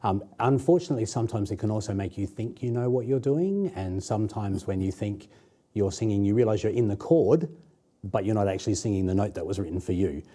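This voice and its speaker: A man's voice: on the low side, expressive, brisk, mellow. A man with an Australian accent, a singer being interviewed, friendly and thoughtful with many ums. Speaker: opera singer guest. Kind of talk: casual interview chat.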